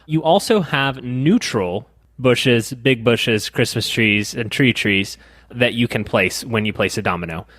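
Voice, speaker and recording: A man's voice: medium pitch, unhurried, a bit bright, no room sound. Male podcast co-host, mid-range voice, patient and methodical with rules, wry jabs at his co-hosts. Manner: explains rules step by step, dry teasing. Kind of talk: casual board game chat.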